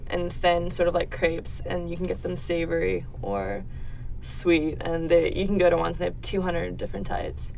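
A young adult woman giving casual answers as an interviewee in a relaxed conversational interview. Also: lowish voice, moderate pace, vocal fry, poor audio. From Netherlands. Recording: faint background noise.

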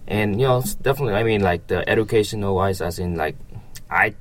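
A young man from Vietnam, a native Vietnamese speaker with a Vietnamese accent, answering casually in a halting, rambling way with lots of filler phrases. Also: on the low side. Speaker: interviewee.

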